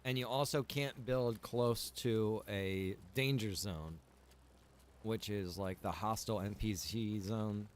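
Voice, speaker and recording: A man's voice: on the low side, slow. A laid-back man chatting to viewers in rambling, slangy game livestream commentary. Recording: clearly noisy, background ambience.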